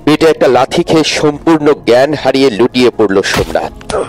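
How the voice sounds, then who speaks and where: A man's voice: mid-range voice, very animated, normal speed, faint music behind. A man narrating a dramatic audio story expressively, rising with tension.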